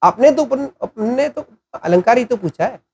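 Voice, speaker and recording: A man hosting an informal spoken lesson, explaining deliberately and answering his own rhetorical questions. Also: very high-pitched, animated, a little mellow, slight background noise. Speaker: channel host explaining content writing.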